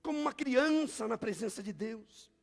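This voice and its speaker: A man's voice: very high voice, lively intonation, moderate pace, vocal fry. A male pastor, preaching a sermon with emphatic, repetitive storytelling.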